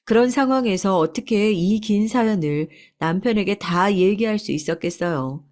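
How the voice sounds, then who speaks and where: A woman narrating a first-person life story in a soft, confiding way. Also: mid-range voice.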